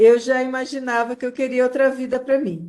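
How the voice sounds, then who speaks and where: A woman's high voice carries a dark, mellow tone. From Brazil, Campinas (São Paulo state). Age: 60s. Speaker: lawyer and professor, interviewee. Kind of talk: interview, personal life story. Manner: hesitant, many fillers.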